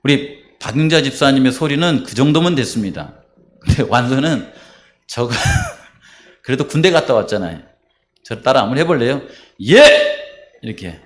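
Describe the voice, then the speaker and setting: A man's voice: mid-range voice, huge pitch swings, normal speed. A man preaching as pastor at a church baptism service, posing questions to the congregation and answering them himself. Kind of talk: sermon and baptism rite. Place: church sanctuary.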